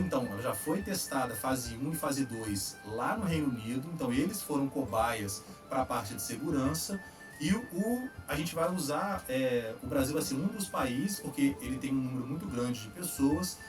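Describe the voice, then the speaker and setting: A man with a Brazilian Portuguese accent hosting a casual chat, explaining vaccine trials in a relaxed, slangy way with frequent tag questions. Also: mid-range voice, distant mic. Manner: relaxed, slangy, lots of "tá?" tags. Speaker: host answering viewer questions on vaccines.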